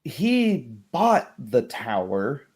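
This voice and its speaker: A man's voice: mid-range voice, huge pitch swings, a little mellow, full character voice. A man playing a guarded, plain-spoken townswoman in a tabletop game, hesitant and choosing words with care. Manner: hesitant, measured, picking words carefully. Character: guarded, plain-spoken townswoman talking over local mysteries.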